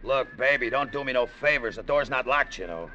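A bitter broke gambler. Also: male voice, mid-range voice, lively intonation, fairly quick, pushed and bright, lo-fi sound. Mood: sullen. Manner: streetwise slang, gruff. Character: down-on-luck male gambler, bitter tough talker. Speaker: lead and narrator. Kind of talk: 1950s radio drama acting.

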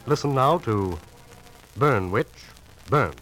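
Theatrical vintage horror radio narrator, swooping delivery. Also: male voice, medium pitch, lively intonation, slow pace, rough recording. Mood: ominous, theatrical. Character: spooky playhouse host introducing tales of the supernatural. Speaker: host of a mystery radio show. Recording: vintage radio recording, prominent music behind.

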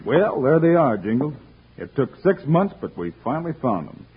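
A man playing a steady, commanding frontier marshal in 1950s radio western acting. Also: medium pitch, normal speed, natural voice. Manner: calm, commanding. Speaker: lead hero Wild Bill. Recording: tinny old radio transcription with hiss.

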